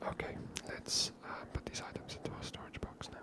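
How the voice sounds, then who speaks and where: Whispering woman doing ASMR game commentary. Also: a little fast. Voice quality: breathy unvoiced whisper. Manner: casual, unscripted, chatty. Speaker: ASMR gaming host.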